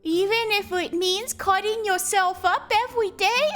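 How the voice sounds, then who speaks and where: A woman's voice: extremely high pitch, a little slow, a bit bright, faint music behind, voice pushed up. Woman playing a haunted, guilt-ridden mother. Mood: gentle. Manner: anxious, brooding inner monologue. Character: frightened, guilt-ridden mother of a strange child.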